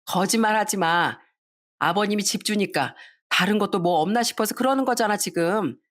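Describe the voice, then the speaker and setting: A woman voicing a spoiled, demanding elder daughter-in-law in a Korean story radio drama, whiny and sharp-tongued. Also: medium pitch, normal speed, natural voice. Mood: scolding.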